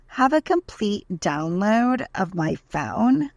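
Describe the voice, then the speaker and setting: Playing a desperate defendant, a woman reads a pleading letter aloud with indignant emphasis, ticking through her grievances one by one. Her mid-range voice has a sing-song lilt, in a dry recording with clean studio sound.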